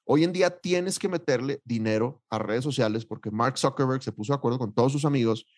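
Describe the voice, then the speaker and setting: A man with a Mexican accent co-hosting a business podcast, talking in an animated, slangy, emphatic way. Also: medium pitch, brisk. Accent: Mexican Spanish. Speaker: podcast co-host. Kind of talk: casual podcast chat.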